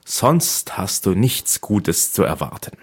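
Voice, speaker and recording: In this storybook reading, the proud stepsisters taunt and scold with open scorn, as a man puts them on. The voice is deep and slightly husky, lifted only a little above his usual low tone. The sound stays plainly spoken. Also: very animated, slow pace, heavily acted. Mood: scornful. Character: stepsisters, proud and mocking young women.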